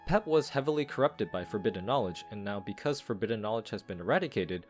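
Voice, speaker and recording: Man, fairly low pitch, animated intonation, casual explanatory delivery, scripted video game analysis, light background music. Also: quick pace. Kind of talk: scripted review commentary over a game story.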